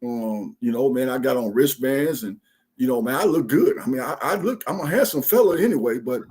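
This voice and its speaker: Husky man with Southern Black country drawl. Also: medium pitch, lively intonation, a little fast, darkish tone. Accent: Southern Black American, country Mississippi drawl. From Mississippi, USA. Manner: folksy, emphatic, repeatedly punctuating phrases with "man". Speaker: guest, former college football player. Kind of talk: casual storytelling in an interview.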